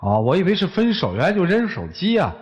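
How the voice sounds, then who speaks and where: A male talk show host fires off wry, teasing questions. His voice sits a bit high and moves in lively swings. A long reverb trails after his words. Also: fast talker, muffled recording.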